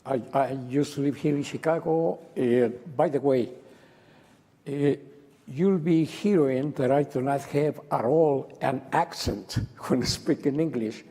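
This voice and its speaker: A man, telling stories on a panel in a slow, joking way and laughing often. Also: medium pitch, warm tone, husky. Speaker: panel speaker. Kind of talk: storytelling on a panel. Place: lecture hall. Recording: reverberant lecture hall.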